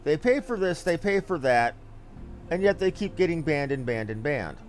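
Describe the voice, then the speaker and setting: A man's voice: on the high side, sing-song, moderate pace, faint music behind. A man giving casual live game commentary as a streamer, rambling and blunt with some mild swearing. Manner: rambling, blunt, mildly profane.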